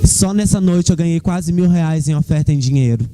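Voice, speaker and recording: A man's voice: on the high side, fairly quick, mellow, soft background music. A young man giving a fervent church testimony, speaking directly to the congregation. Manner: fervent, addresses the congregation as "queridos".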